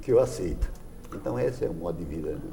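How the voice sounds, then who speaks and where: A man's voice with audible room echo. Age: 70s. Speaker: lawyer and former city councillor. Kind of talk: interview.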